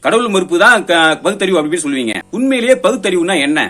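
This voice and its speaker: Guy doing a political rant, talks really fast, slightly high voice, keeps throwing accusing questions. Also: lively intonation, pushed and bright, faint music behind. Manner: confrontational, accusatory, full of pointed rhetorical questions. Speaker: political commentator. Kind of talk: political monologue rebutting an opponent.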